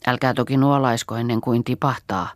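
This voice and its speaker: A woman's voice: a bass voice, steady tone, no echo, clean studio sound. A woman reading a scoffing young farm girl. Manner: scoffing, blunt. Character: sharp-tongued young peasant woman.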